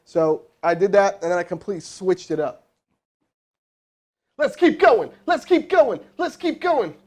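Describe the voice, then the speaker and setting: A fired-up man coaching cold calls live from a room full of crew, his voice sitting a touch high. He talks fast and loose, hyping the viewers between calls. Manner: energetic, pumped-up, casual, with chatty asides. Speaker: sales trainer hosting a live stream. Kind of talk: hyped live-stream coaching and cold calling. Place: indoor room with crew present.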